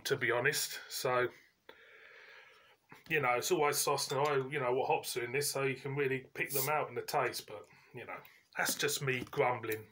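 Male reviewer, 40s, bright punchy voice, mid pitch, colloquial and casual. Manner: informal, colloquial, pauses mid-sentence. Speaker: beer reviewer and host. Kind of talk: casual chatty video review. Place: indoors, living room at home.

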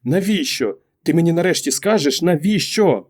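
A man's voice: on the high side, sing-song, brisk, a little mellow, voice pushed up. A man reading an audiobook, raising his voice to play an anxious, exasperated wife who keeps pressing her husband with questions. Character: anxious middle-aged wife, exasperated and pleading. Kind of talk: audiobook character voice.

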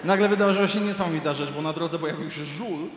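A man with a fairly high-pitched voice talks fast, doing stand-up comedy on a large arena stage. He tells a profane story in an animated way, acting out the people he quotes, into a handheld stage mic. The echoey arena recording carries crowd ambience and audience laughter behind his noisy delivery.

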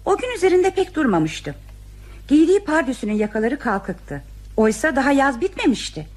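Old radio play: teasing, motherly nurse, high voice with a lively melody. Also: moderate pace. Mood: explaining. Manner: firm and affectionate, fond of teasing. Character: teasing, motherly hospital nurse, adult woman. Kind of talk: old radio drama acting.

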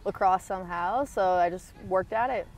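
A woman's voice: fairly low pitch, normal speed, darkish tone. A young adult woman from small-town Ontario with a Canadian accent, answering casually and slangily as an athlete being interviewed outdoors. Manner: informal, slangy. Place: outdoor sports field.

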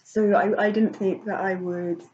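A woman's voice: mid-range voice, little pitch movement, unhurried, a little mellow, a little hiss or hum. Rambling woman vlogger, lo-fi. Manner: rambling, many fillers and restarts, laughs often. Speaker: vlogger and author. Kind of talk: casual chat.

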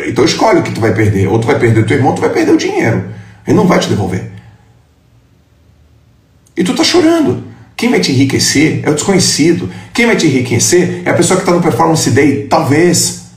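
A fired-up man delivers a motivational talk with a blunt, profane, confrontational edge. His pitch sits a little high and swings widely as he hammers his points home. The sound carries a roomy echo around him. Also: huge pitch swings, a little fast. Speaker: motivational speaker. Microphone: live stream. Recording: echoey room.

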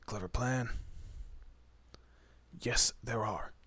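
A man's voice: medium pitch, extremely slow, sharp tone, breathy edge, no room sound, full character voice. A man playing a teasing, protective monster detective in a horror roleplay audio, talking casually to his human partner. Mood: intrigued, dry. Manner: casual, teasing, muttered asides. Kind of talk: horror roleplay audio drama, addressing the listener.

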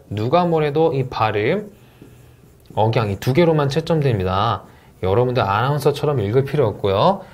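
A man delivers a recorded test-prep English lecture. His pitch swings widely as he talks, and he draws out the English practice words slowly and deliberately. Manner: lively, animated delivery, stretching out English model words slowly.

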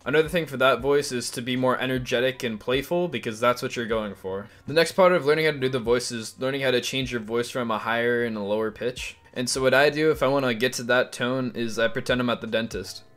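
A man's voice: medium pitch, quick pace, hardly any pauses, fairly bright tone. Give me an upbeat man teaching viewers in a casual video tutorial, faint music under him. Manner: chatty, upbeat, direct to viewers. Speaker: YouTube host.

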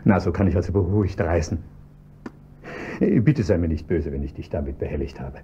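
An actor playing a husband about to leave on a trip in a radio play, hurried and reassuring. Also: male voice, deep voice, lively intonation, dark tone, muffled recording, slight background noise. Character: businessman husband leaving on a trip, man.

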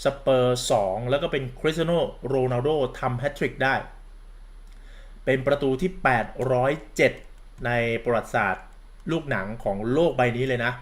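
A man's voice: mid-range voice, a little slow. A campy man gives a sarcastic, crude-mouthed football commentary rant, calling himself big sister. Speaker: football vlogger.

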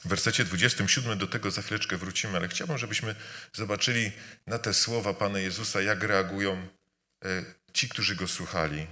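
A man preaching a sermon during a church service, speaking emphatically with rhetorical repetition, rising to loud calls and dropping to quiet, intimate lines. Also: low-pitched, brisk. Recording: reverberant church hall.

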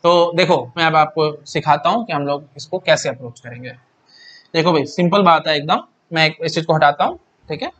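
A man's voice: fairly high pitch, animated, brisk, fairly bright tone. A young Indian man teaching an exam-prep math lecture in mixed Hindi and English, chatty and repetitive, often asking and answering his own questions.

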